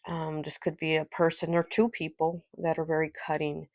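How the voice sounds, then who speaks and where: Tarot reader, nasal and stuffy from a cold, gravelly, flat delivery, dry close mic. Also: mid-range voice, normal speed, dry recording, poor audio. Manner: chatty, rambling, frequent fillers and little laughs. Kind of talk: casual tarot card reading.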